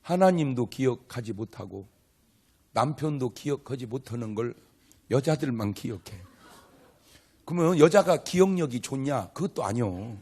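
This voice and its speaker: A man's voice: mid-range voice, lively intonation, moderate pace, a little mellow, slightly rough. An older man, a pastor, preaching a humorous revival sermon to a live congregation in a chatty, story-telling way, acting out dialogue and asking the crowd questions. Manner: asks the audience questions and banters with them.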